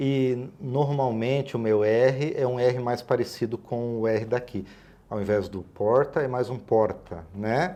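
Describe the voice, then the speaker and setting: A man with a dark, mellow tone at a very slow pace. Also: medium pitch for a man, ordinary pitch variation. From Paraná, Brazil. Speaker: radio news editor. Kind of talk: interview.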